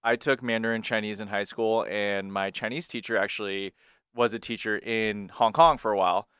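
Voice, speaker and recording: Smooth-voiced man, casual podcast co-host. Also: lowish voice, moderate pace, sharp tone, no echo, studio quality. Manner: loose, filler-heavy talk with frequent "like".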